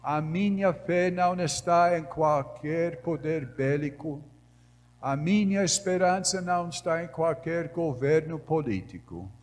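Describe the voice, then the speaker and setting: A man preaching in Portuguese with a Brazilian Northeastern accent, a missionary whose first language is English, delivering a measured sermon in a church. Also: fairly high pitch. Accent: Brazilian Northeastern Portuguese, as a foreign speaker. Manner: slow, measured preaching that grows louder when reading scripture. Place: large church hall. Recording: reverberant church hall.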